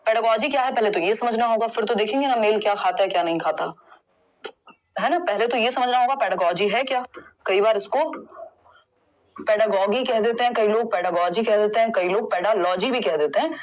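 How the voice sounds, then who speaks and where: Chatty woman teacher, slightly high voice. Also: fairly quick, poor audio. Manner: conversational, reassuring, mixes English terms into Hindi. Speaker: exam prep teacher. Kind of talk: online lesson, explaining test answers.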